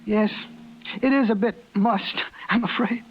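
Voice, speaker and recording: A man's voice: high voice, a little slow, a little hiss or hum. An actor playing a mild, timid male ship passenger who puts on tough-guy slang in a 1950s radio drama. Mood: mild, evasive. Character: timid male second-class passenger turned adventurer. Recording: muffled 1950s radio broadcast.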